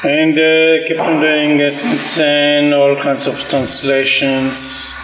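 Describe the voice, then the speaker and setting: A man's voice: on the high side, monotone, faint music behind. Man reminiscing in an echoey hall. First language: Hebrew. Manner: halting, many pauses and restarts. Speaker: interviewee. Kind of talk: informal reminiscing interview. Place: large open hall indoors.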